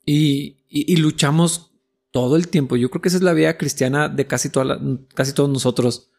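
Man with a gravelly, mid-pitched voice, thinks aloud in halting faith talk. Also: a little mellow. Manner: searching, halting, many restarts. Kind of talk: casual faith discussion.

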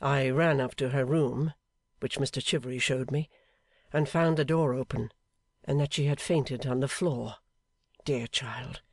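A reader voicing a grave, pitying gentleman. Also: mid-range voice, steady tone, a little slow, no echo. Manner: quiet, pitying, slightly reproachful. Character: grave, kindly gentleman carrying a fainted girl. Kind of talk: storybook reading.

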